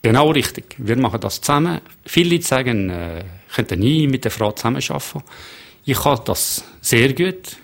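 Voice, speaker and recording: A middle-aged man whose first language is French, speaking as a hotelier guest in a radio studio and telling stories with lively emphasis. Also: medium pitch, moderate pace, gravelly. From Geneva, Switzerland. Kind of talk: radio interview.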